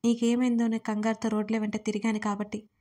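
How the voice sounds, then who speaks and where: A furious young husband who shouts and accuses in a high, level voice. A woman storyteller reads his lines in her own voice. It is a spoken audio story. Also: completely flat delivery, fast talker, close to an everyday voice. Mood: angry. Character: gruff angry young husband.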